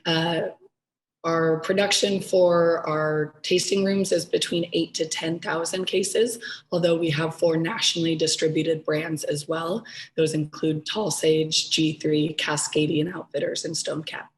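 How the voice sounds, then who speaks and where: A hoarse woman who has lost her voice, a webinar panelist listing her tasting rooms in a matter-of-fact way. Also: low voice, steady tone, unhurried, poor audio. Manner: matter-of-fact, lists facts. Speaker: panelist, sales manager. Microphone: video call.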